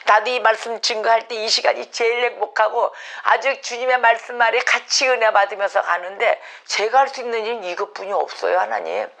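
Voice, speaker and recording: A woman's voice: mid-range voice, creaky, a bit bright. A middle-aged woman pastor preaching a sermon, acting out prayers in a pleading voice.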